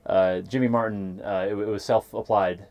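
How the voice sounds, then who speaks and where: A man's voice: on the low side, fairly even intonation, moderate pace, a little mellow. A man from Atlanta interviewing a bluegrass singer in a friendly, casual way, full of fillers like "you know". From Atlanta, United States. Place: backstage mobile studio at a festival.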